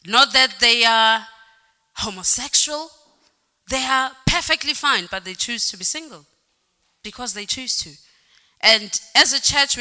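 A woman's voice: medium pitch, pushed and bright, clean tone. A woman preaching a sermon in a church hall, stressing points by repeating words and calling out "Amen". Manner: sings some phrases, varies pace. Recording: reverberant hall with faint music.

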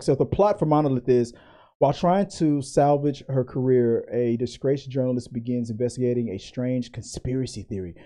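A man co-hosting a casual podcast conversation. His voice is mellow and relaxed. He rambles, restarts his sentences and laughs easily. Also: medium pitch. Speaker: podcast co-host. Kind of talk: casual chat.

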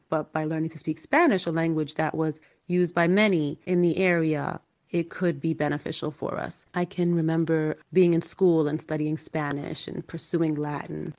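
A woman from New York with a notably low voice tells her personal story. She speaks in an earnest, measured way, as if reading a prepared account. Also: a little mellow. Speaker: podcast guest. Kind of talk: personal storytelling, read aloud.

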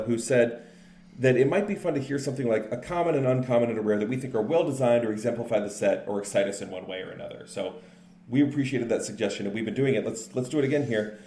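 A man co-hosting a podcast, chatting casually and explaining things in a relaxed way. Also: mid-range voice. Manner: relaxed, explanatory, says card names in quick lists. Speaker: podcast co-host. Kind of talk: casual chat about card games. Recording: echoey room with faint noise.

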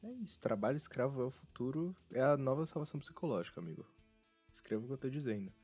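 A fast-talking Brazilian podcast host with a medium-pitched, slightly mellow, husky voice sounds expressive as he jokes about anime. He's casual and wry, often mocking himself. The lo-fi recording sounds dull, and music plays in the background.

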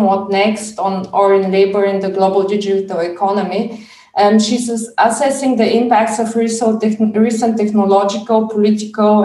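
A woman introduces a guest speaker at an event, pausing often on fillers. Her delivery is flat and mellow. She sounds distant from the mic, with a roomy echo around her voice. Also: mid-range voice. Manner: hesitant, many fillers.

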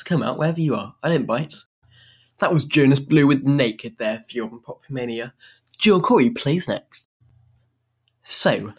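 A man's voice: medium pitch, husky. A British man presenting a music radio show in an upbeat, chatty, informal way, talking straight to the listeners.

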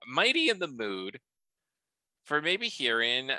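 A man's voice: mid-range voice, slow pace, no room sound. A man co-hosting a podcast, reviewing a game in a playful, jokey way. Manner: playful, jokey, lively delivery. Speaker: podcast co-host. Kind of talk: casual podcast chat.

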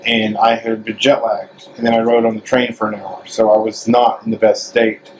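A man from the American South with a deep bass voice, hosting an interview as a casual, playful, rambling chat. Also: level tone, normal speed, background noise. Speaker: interview host.

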